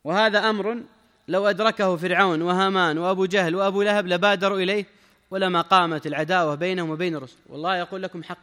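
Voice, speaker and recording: A man's voice: sits high, fairly even intonation, racing, pushed and bright, long reverb tail. A man giving an emphatic, argumentative religious lecture, mocking the views of his opponents. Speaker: preacher.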